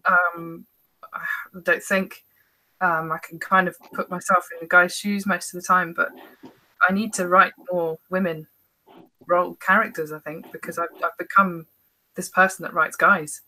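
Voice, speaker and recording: Bright-voiced woman chatting on a podcast. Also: on the low side, little pitch movement, measured pace, low-quality recording. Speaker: guest horror writer and podcast creator. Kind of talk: casual podcast conversation.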